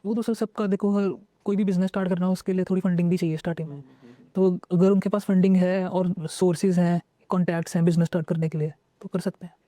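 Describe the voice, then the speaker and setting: A man's voice: sits high, flat delivery, fast, warm tone, dry recording. A man hosting a casual podcast conversation, polite and agreeable, giving short replies. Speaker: podcast host.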